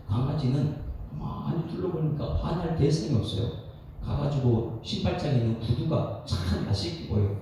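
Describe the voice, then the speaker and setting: A male pastor gives an animated dawn sermon and puts questions to his congregation, heard from a distant mic in an echoey church. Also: on the high side. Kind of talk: expository sermon at a dawn prayer service. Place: church sanctuary. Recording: echoey hall, distant mic, faint noise.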